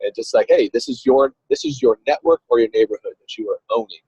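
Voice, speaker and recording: This ministry coach talks fast and casually on a car speakerphone while driving, rambling and restarting many times. His mid-range voice swoops wildly in pitch and is a little mellow and slightly rough. The call audio from a phone on a video call is dull and lo-fi, with no room sound.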